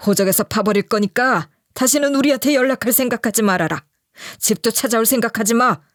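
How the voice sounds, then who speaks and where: A woman's voice: a little high, fairly quick, no echo, lightly acted. Lady doing a stern old father-in-law scolding his son, dry close sound. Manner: harsh, disowning.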